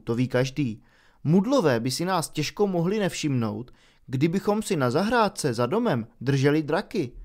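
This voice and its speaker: Storybook schoolboy: lively, a bit grumbly, explains things plainly, read by a man. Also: on the high side. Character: cheeky schoolboy wizard, easily bored.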